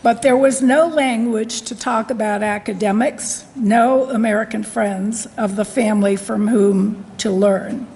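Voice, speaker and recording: A woman in her sixties giving a formal, deliberate award address at a podium microphone in a convention hall. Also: on the high side, fairly even intonation, darkish tone, slight background noise. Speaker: lecturer.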